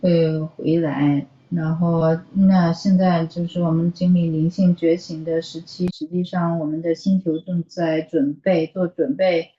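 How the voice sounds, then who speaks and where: Mellow woman interpreter on a muffled, echoey line. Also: fairly low pitch, level tone, a little slow, hardly any pauses. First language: Mandarin Chinese. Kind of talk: consecutive interpreting in informal talk.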